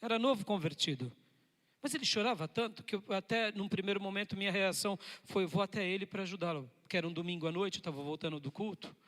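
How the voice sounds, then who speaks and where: A male pastor delivers a sermon in a high, bright voice. He swings between emphatic loud bursts and soft, intimate lines. The church hall gives his voice a long reverb. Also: fast. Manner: emphatic preaching with sudden loud and soft turns.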